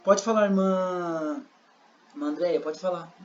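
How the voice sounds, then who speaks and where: A man's voice: high voice, a little slow, music in the background. A man with a Brazilian Portuguese accent giving a classroom lesson, explaining with examples and acting out scenes. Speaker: sign language interpreting teacher. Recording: roomy, dull lo-fi sound.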